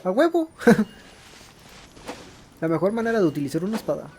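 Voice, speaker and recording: A man's voice: high-pitched, sing-song, moderate pace, a little mellow, a little hiss or hum. A man with a Mexican accent giving casual, slangy commentary as he plays a video game. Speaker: gaming video host.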